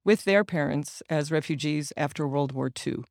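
A middle-aged man whose first language is Ukrainian talks earnestly through his answers, restarting sentences as he goes. His voice sits a little high for a man. The sound is dry and close. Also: normal speed, creaky, no echo. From United States, Ukrainian American family. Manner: earnest, explanatory, frequent restarts. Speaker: guest, patient advocate and author. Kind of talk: interview answers.

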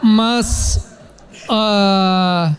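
A man's voice: sits high, fairly even intonation, very slow, slight background noise. A Brazilian man in a conversational panel argument, explaining his view emphatically in colloquial speech.

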